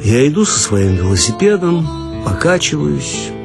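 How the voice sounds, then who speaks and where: A man's voice: fairly high pitch, big pitch swings, unhurried, creaky. A man reading humorous first-person stories for radio in a mock-earnest, ironic manner. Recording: archival radio recording with guitar music. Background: guitar music.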